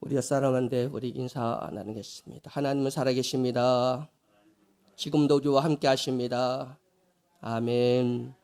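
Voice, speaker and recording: A man's voice: medium pitch, fairly even intonation, normal speed, a little mellow, clean tone. A male associate pastor giving an early-morning sermon, telling an anecdote in a conversational preaching style.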